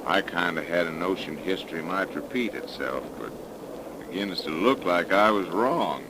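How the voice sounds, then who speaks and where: An actor playing a calm, folksy investigator with a slow homespun drawl, in 1930s radio drama style. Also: male voice, deep voice. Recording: noisy 1930s radio recording.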